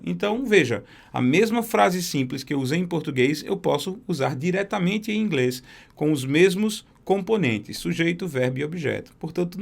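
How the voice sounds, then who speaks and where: A man teaching a beginner English class, patiently explaining grammar and slowly modelling words. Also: on the high side, gravelly.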